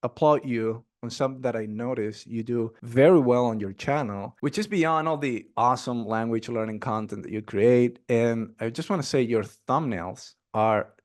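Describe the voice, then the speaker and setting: A man's voice: medium pitch, normal speed, few pauses. A man hosting a podcast interview, upbeat and enthusiastic, with casual fillers. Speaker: podcast host.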